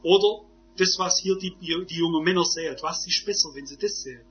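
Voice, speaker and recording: A man preaching a sermon, firing rhetorical questions and swinging from loud insistence to hushed asides. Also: sits high, a little fast. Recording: dull lo-fi recording.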